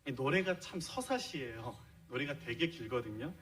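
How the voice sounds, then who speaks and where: Speaking at a normal speed with lively intonation, a middle-aged man delivers a sermon from a church sanctuary in a medium-pitched, fairly bright voice. As the pastor, he explains things earnestly and asks rhetorical questions of the congregation, though the audio is poor.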